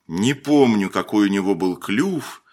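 Weathered grey-haired storybook man, read by a man: quiet, low, slow and pensive. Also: huge pitch swings, heavily acted. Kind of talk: audiobook character voice.

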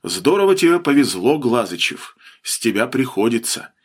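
Male narrator voicing a cheeky, mocking handler guy, animated. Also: mid-range voice, moderate pace, slightly rough.

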